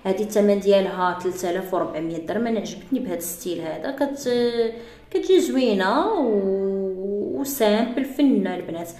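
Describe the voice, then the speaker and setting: A woman with a Moroccan Arabic accent, chatting through a live sales pitch for jewelry to her female viewers. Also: expressive, brisk, mellow, roomy sound. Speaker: jewelry seller.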